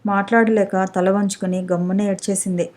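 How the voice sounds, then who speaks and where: A woman narrating a story as an audiobook reader, at a steady, measured pace. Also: mid-range voice. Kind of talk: scripted narration.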